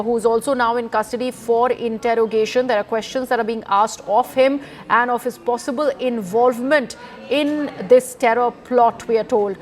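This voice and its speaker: A woman with an Indian accent anchoring live television news, recapping details and putting questions to a reporter. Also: fairly high pitch.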